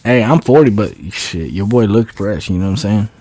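A man's voice: fairly low pitch, animated, moderate pace, dark tone, slight background noise. A man in his late thirties chatting on a livestream over a video call, telling rambling stories and swearing freely. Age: 30s. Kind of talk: casual livestream chat.

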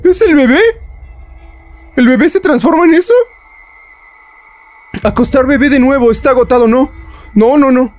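A man's voice: extremely high pitch, normal speed, pauses often, a little mellow, soft background music. A man commenting on a horror game he is playing, joking and breaking into nervous laughs and shrieks. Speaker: gaming YouTuber.

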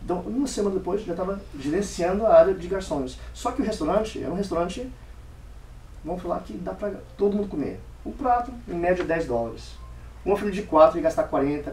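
Guy telling a story at a club meeting, high lively voice, mic far off, roomy echo. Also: fast talker, a little hiss or hum. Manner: animated, acts out dialogue in varied voices. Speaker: speaker giving a club speech. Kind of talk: storytelling speech. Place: meeting room. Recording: echoey room from far off.

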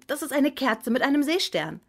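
A woman's voice: high-pitched, sing-song, normal speed, creaky, full character voice. A woman playing an earnest, principled young adult daughter in a naturalistic radio drama. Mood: indignant. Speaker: voice actor in an audio drama.

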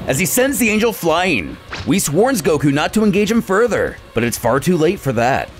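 A man's voice: fairly high pitch, sing-song, normal speed, music in the background. A man narrating a scripted story recap in a dramatic storytelling style.

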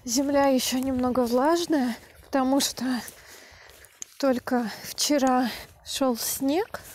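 A young woman vlogging with a camera held at arm's length, calmly explaining as she walks through a country house and its yard, speaking slowly and clearly for language learners. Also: high voice, slight background noise. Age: young adult. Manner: calm, unhurried, deliberate explaining. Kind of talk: slow, clear Russian for learners. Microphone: handheld camera at arm's length.

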